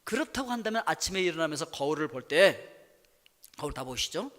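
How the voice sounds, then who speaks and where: Male pastor, dramatic sermon, high bright voice, echoing church hall. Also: big pitch swings, brisk. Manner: dramatic, swinging from loud to hushed. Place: church sanctuary.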